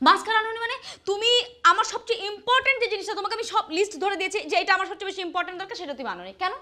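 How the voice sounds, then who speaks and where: A nagging, demanding wife. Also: female voice, very high voice, racing, pushed and bright. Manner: nagging, insistent. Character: demanding, pouty young wife.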